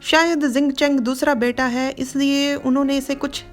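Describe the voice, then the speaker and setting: A woman voicing a weary king who speaks in a measured, sighing way. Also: high-pitched, fairly even intonation, soft background music, lightly acted. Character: weary grown king, elder brother.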